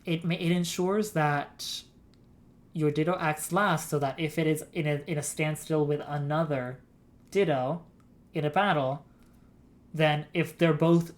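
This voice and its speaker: A woman's voice: deep voice, fairly even intonation, a little slow. A woman streaming a game, explaining game mechanics in a rambling, giggly way. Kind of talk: casual gameplay stream chat.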